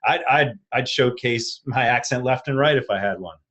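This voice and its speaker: A man's voice: mid-range voice, normal speed, fairly bright tone. A middle-aged man with a Philadelphia accent, talking casually and earnestly as a panelist, repeating points for emphasis. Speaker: real estate industry panelist. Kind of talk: casual panel talk, personal anecdotes.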